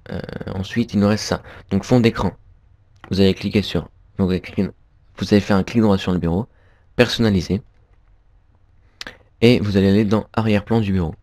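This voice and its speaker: A young man talking through a screen-recorded software tutorial, hesitant, with many fillers and restarts. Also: sits low, dry recording, studio quality. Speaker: tutorial maker.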